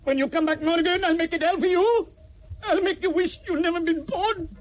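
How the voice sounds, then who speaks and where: An actor playing a bitter, threatening young miner with a snarling manner. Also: male voice, medium pitch, sing-song, measured pace, creaky, breathy edge, exaggerated voice. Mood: vengeful.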